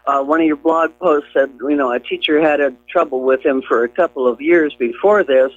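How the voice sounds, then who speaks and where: A man's voice: fairly high pitch, a little fast, no echo, lo-fi sound, faint music behind. A man calling into a radio show, speaking hesitantly and trailing off. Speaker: caller. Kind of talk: phoned-in radio call.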